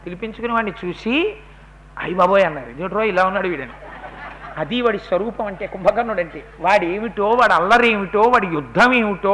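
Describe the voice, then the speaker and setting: A man's voice: high voice, sharp tone. A man giving a devotional epic discourse, telling the story and acting out the characters' words with rising intensity. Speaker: religious discourse speaker.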